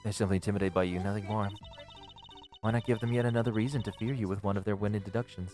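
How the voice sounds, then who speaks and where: A man's voice: fairly low pitch, fairly even intonation, warm tone, soft background music, lightly acted. A man voicing a pompous, smug judge. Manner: formal, measured diction. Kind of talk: live voiced game playthrough.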